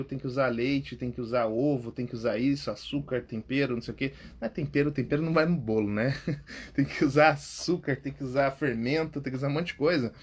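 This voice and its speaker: A man's voice: medium pitch, husky. A Brazilian man hosting a podcast on public speaking, coaching listeners in a chatty, casual way. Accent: Brazilian Portuguese. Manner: chatty, says "cara" and "tá?" often, laughs at himself.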